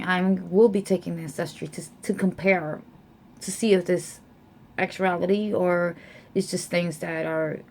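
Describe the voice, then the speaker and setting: A young adult woman from the United States, chatting casually to camera and reading out her results slowly, with many fillers. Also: fairly low pitch, a little mellow, slight background noise. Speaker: vlogger.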